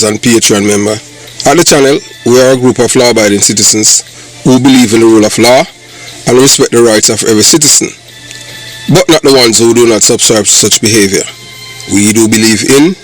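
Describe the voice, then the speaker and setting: A man's voice: medium pitch, rough recording. Jamaican male host, combative, sarcastic commentary delivery. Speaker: channel host. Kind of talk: commentary monologue.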